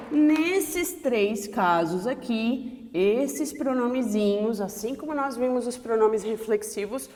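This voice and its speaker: A woman's voice: on the high side, darkish tone, big-room sound, slight background noise. A woman teacher explaining grammar step by step, often checking in with her students. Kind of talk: online classroom lesson.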